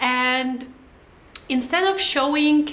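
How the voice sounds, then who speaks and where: A woman's high voice with a Lithuanian accent at a very slow pace, over noticeable background noise. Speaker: cooking vlogger. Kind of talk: cooking tutorial. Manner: casual, chatty with fillers.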